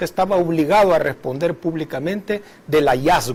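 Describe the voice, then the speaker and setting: The man has a high voice with ordinary pitch variation. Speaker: mayor. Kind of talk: interview.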